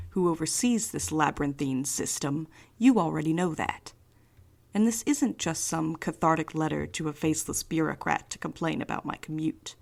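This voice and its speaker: A woman acting as a wry night courier in an audio drama. Her voice sits low with a gravelly fry, and she delivers everything drily, with a defiant streak. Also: full character voice.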